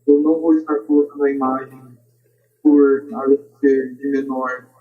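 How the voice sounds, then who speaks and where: A man's voice: mid-range voice, little pitch movement, moderate pace. A Brazilian man making his points in a podcast discussion, recorded on a dull, distant lo-fi microphone. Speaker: podcast speaker.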